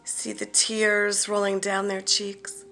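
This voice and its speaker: A woman leading a guided visualization, speaking gently and deliberately with long pauses and some softly breathed phrases. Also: mid-range voice, completely flat delivery, vocal fry, faint music behind. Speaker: guided meditation leader. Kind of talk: guided visualization, soothing meditation narration.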